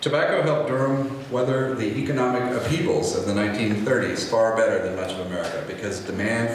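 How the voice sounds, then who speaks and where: Strong room echo and noticeable background noise fill this recording. A man talks at a fairly quick pace with ordinary pitch variation. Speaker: music writer and panel moderator. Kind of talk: panel discussion. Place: meeting room.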